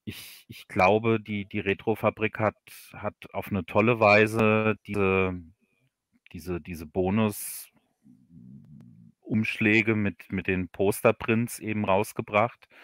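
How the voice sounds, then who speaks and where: A man's voice: on the low side, fairly even intonation, takes it slowly, a bit bright, no echo, clean studio sound. A man from Hesse, Germany, talking casually as a guest author in a livestream interview, often repeating words as he thinks. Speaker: guest author of audio dramas.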